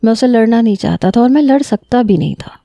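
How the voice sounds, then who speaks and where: A woman narrating a romance story in a steady, even way, with a fairly high but mellow, warm voice. The sound is close and dry, with no echo around it. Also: creaky. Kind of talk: scripted first-person romance narration.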